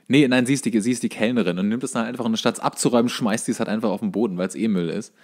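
A man's voice: lowish voice, racing, a little mellow. A man co-hosting a podcast in casual chat, telling stories in an informal, loosely rambling way. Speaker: podcast co-host.

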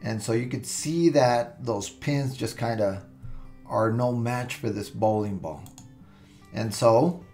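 Guy w a gravelly voice doing a slow screen tutorial, soft guitar music behind. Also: mid-range voice. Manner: relaxed, thinking aloud with fillers and restarts. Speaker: software tutorial instructor. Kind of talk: screen-recorded software tutorial. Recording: soft background music under voice.

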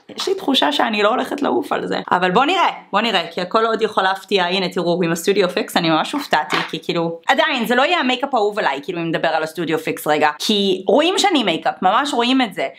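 A woman's voice: mid-range voice, a bit bright. A woman, chatting casually through a makeup tutorial and slipping into English exclamations. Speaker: beauty vlogger.

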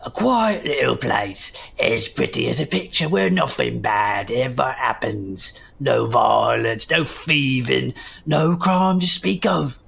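An actor in an audio drama playing a blustering, menacing small-town sheriff with a gravelly voice and folksy rough speech. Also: medium pitch, animated, a bit bright, slight background noise, exaggerated voice. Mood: sneering. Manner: folksy rough dialect, drawn-out sneering questions.

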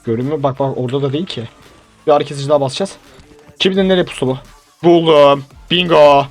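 A young man playing a mobile shooter, giving joking, excitable commentary to viewers and teammates. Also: fairly high pitch, fast talker. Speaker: gaming YouTuber. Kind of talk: live mobile game commentary. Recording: game sounds and music behind.

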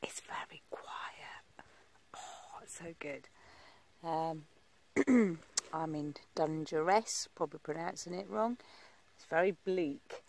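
A woman's voice: low-pitched, takes it slowly, pauses often, a little mellow. Chatty woman vlogging on a windy walk. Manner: chatty, laughs often, breathy asides. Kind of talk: casual vlog narration. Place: outdoors on windy coast and town streets. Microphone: phone at arm's length.

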